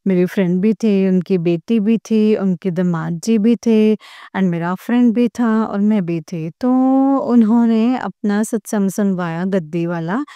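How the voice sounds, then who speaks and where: A woman's voice: mid-range voice, a little slow, dark tone, smooth, no room sound, lo-fi sound. A young woman earnestly retelling a personal devotional experience to fellow believers, full of emotion and quoted back-and-forth. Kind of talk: heartfelt personal testimony.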